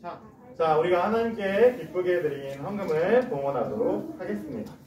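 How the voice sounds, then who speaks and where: A male pastor telling a Bible story to children in an animated way, acting out the characters as he goes. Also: high voice, moderate pace, highs cut off, a crowd in the background. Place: church sanctuary. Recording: echoey church hall from far off, background noise.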